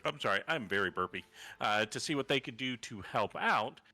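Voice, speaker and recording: A man's voice: medium pitch, lively intonation, a little fast, bright, forceful tone. A man running a tabletop game as dungeon master, recapping the last session in a loose, rambling way, full of fillers and self-corrections. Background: faint fantasy background music.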